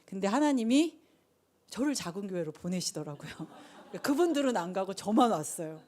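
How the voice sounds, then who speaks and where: Animated middle-aged woman preaching. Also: mid-range voice, moderate pace. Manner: animated storytelling with lively asides. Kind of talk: conversational sermon.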